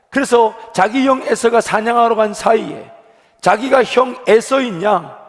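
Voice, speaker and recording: A man pastor preaching an earnest sermon in a church sanctuary, slowing down to stress key words. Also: high voice, gravelly. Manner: earnest preaching, rising with emphasis. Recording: long hall reverb.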